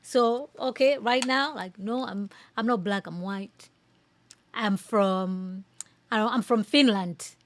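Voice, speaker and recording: A woman's voice: medium pitch, slow pace, no echo. A woman from Malawi hosting a casual reaction commentary, speaking emphatically and repeating phrases to drive her points home. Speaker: podcast host giving commentary.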